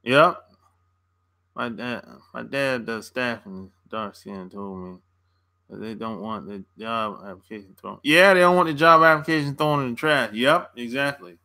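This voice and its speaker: A man's voice: mid-range voice, unhurried, pushed and bright. A man hosting a casual livestream, answering viewer comments in a laid-back, slangy way and laughing often between remarks. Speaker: dating coach and channel host.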